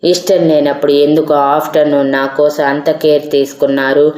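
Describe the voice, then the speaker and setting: Woman doing a stubborn, devoted young heroine in an audio story, firm and insistent, low and mellow, in a roomy space. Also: level tone, moderate pace, natural voice. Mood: defiant. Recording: roomy echo.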